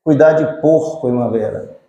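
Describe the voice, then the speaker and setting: A man telling a story in a sermon, colloquial and lively, addressing the congregation by name. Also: medium pitch, normal speed, highs cut off. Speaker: preacher. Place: church. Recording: echoey church hall.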